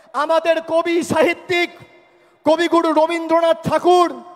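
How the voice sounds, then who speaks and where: A man's extremely high-pitched, monotone, flat delivery amid noticeable background noise. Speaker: politician. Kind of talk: political rally speech. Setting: outdoors.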